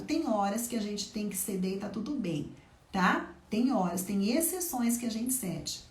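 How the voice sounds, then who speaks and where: A woman teaching an online parenting class to mothers, lively and questioning, answering herself. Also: on the high side, far from the mic. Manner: lively, asks the audience and answers, quick bursts. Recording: roomy sound, set back from the mic.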